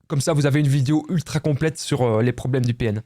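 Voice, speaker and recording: A man's voice: medium pitch, quick pace, dark tone, no echo, studio quality. A man with a Belgian French accent giving relationship advice straight to his viewers, insistent and repetitive, often calling them his friends. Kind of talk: direct-to-camera advice talk.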